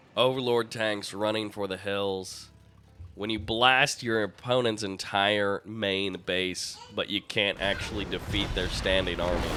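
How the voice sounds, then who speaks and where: Over background music, a man with a fairly low pitch talks at a fairly slow pace with fairly even intonation. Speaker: game commentator. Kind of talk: live game commentary cast. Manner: subdued, low-energy.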